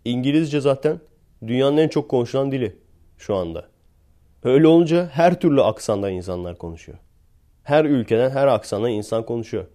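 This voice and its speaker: A man's voice: medium pitch, expressive, fairly quick, mellow. A man from Turkey hosting a podcast, talking in a chatty, sarcastic, rambling way and often laughing. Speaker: podcast host. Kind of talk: casual podcast monologue.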